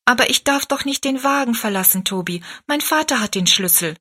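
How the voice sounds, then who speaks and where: Young storybook heroine, earnest and courteous, pitched high, played by a woman. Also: lively intonation, fairly quick, pushed and bright. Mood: eager, worried. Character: earnest, polite young girl, eager and easily disappointed. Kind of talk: storybook narration.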